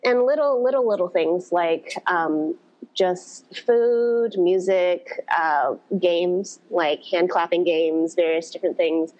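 Low-voiced woman telling her story. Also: slow pace, darkish tone, lo-fi sound. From United States. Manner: reflective, storytelling, frequent "you know". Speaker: podcast guest, blues dance organizer. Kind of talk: conversational interview.

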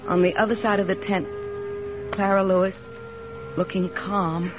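An actress playing a steady, plain-spoken army nurse lieutenant who narrates and soothes wounded men in a 1940s radio drama. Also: female voice, mid-range voice, normal speed, lightly acted. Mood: somber. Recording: dull old radio broadcast with music.

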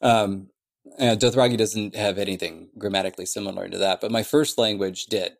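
Guy explaining his language work, halting and thoughtful, lots of uh and um. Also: lowish voice, steady tone, creaky. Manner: thoughtful, many fillers and restarts. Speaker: conlang creator answering questions. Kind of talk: casual explanatory interview.

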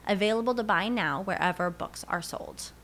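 A woman's voice: mid-range voice, normal speed, a bit bright. A woman doing scripted voice-over narration for an advertisement.

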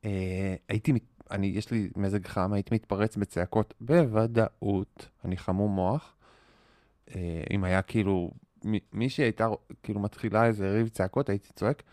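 A man's voice: lowish voice, fairly even intonation, a little mellow, dry recording, clean studio sound. A man co-hosting a podcast in casual chat, talking candidly and mocking himself, often restarting his sentences. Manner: candid, self-mocking, confessional. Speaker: podcast co-host.

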